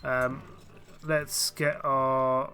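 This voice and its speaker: A man with a cold speaks in a croaky yet bright, forward voice. He talks his way through a strategy game in a hesitant, casual way, full of restarts and fillers. His pitch sits at an ordinary middle height. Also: level tone, drawn-out words, slight background noise. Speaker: game streamer. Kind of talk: casual gameplay commentary.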